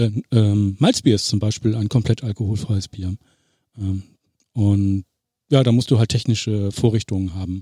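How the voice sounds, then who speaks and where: A somewhat breathy man with a dark, mellow tone speaks at a moderate pace with fairly even intonation. He takes long, frequent pauses, and the sound is dry and close with no echo. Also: fairly low pitch for a man. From northern Germany, Osnabrück. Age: 50s. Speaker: software developer, guest. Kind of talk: casual chat. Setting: outdoors in a garden.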